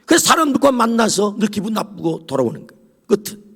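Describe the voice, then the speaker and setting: A male pastor delivers a sermon with a high, animated voice that swoops up and down. There's a husky edge to his tone, and he drops into whispers for quoted lines. The sound carries a long reverb from the church sanctuary. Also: quick pace.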